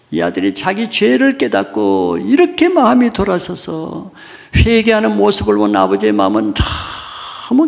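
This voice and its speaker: Gravelly-voiced man preaching a sermon. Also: fairly high pitch. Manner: storytelling, asks the listeners questions. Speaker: pastor.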